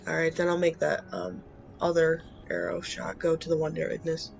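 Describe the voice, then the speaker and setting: Creaky-voiced tabletop player. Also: medium pitch, little pitch movement, normal speed, a little hiss or hum. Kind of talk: casual in-game chat, hesitant fillers.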